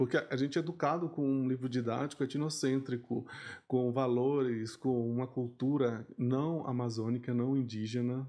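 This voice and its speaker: Pitched medium, a man talks at a moderate pace. His intonation is monotone and flat, his loudness very even. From Brazilian Amazon region, born in Bolivia. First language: Spanish (speaking Portuguese). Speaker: professor of education. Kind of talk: podcast interview.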